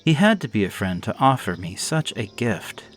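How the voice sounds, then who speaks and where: A man narrating a gothic horror story in a measured, expressive reading. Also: lowish voice, soft background music.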